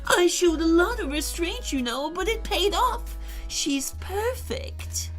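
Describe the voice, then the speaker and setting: A woman's voice: very high voice, animated, slow pace, faint music behind, heavily acted. A woman voicing a haughty, candy-obsessed witch in a video game, boastful, whiny and theatrical. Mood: gushing.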